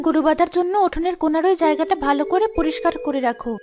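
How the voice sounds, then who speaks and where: A woman's voice: sits high, rapid-fire, over music, close to an everyday voice. An actress playing a devoted, thrifty poor mother in a cartoon, speaking tenderly and patiently. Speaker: seamstress mother. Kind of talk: cartoon voice acting.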